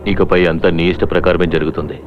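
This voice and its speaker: A man voicing a deep grave village father. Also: little pitch movement, close to an everyday voice. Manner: slow grave commanding. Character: stern older village father, remorseful. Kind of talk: dubbed film dialogue. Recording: dull film audio with music.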